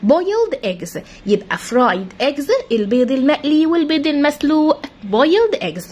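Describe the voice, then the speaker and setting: A woman's voice: high-pitched, very animated, measured pace, darkish tone. A woman teacher with an Egyptian Arabic accent giving a vocabulary lesson to children. She drills each word by repeating it and spelling it out letter by letter, and she talks straight to the pupils. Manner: coaxing, addresses pupils directly. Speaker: English teacher.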